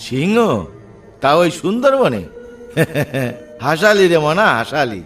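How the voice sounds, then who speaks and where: A man's voice: on the high side, big pitch swings, slow pace, recorded from a distance, exaggerated voice. A man voicing an older village man in a Bengali cartoon who teases his friends, over background music. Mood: mocking. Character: older village man Bhola, mocking then worried.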